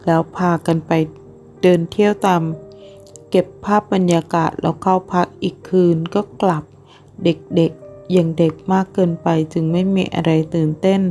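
A woman narrating a romance audio novel in a steady, unhurried storytelling voice. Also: lowish voice.

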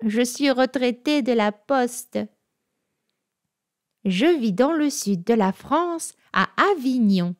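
A woman's voice: a little high, animated, takes it slowly. A woman voicing an elderly retired grandmother who introduces herself cheerfully and chattily for a language lesson. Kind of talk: scripted language-lesson role play.

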